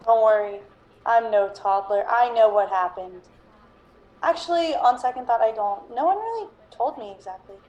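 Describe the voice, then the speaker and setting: A woman playing a brooding, grieving detective, melodramatic and deadpan, in a radio noir parody. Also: on the high side, normal speed, dull audio, natural voice. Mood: defiant. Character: brooding, hard-boiled detective grieving a partner, wryly melodramatic.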